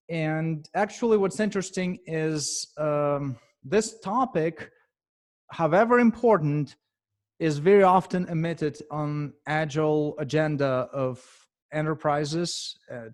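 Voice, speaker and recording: A man with a Ukrainian accent giving a presentation to a professional meetup as speaker and author, talking in a measured way with frequent pauses and filler sounds. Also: on the high side.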